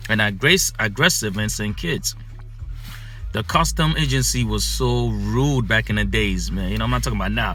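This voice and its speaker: Brief: man in his thirties, casual car vlog, bright forceful tone, loose storytelling full of "you know", faint music behind. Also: lowish voice. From Ghana. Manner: animated, repetitive storytelling with many fillers. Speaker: vlogger. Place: inside a car at night. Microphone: phone camera held close.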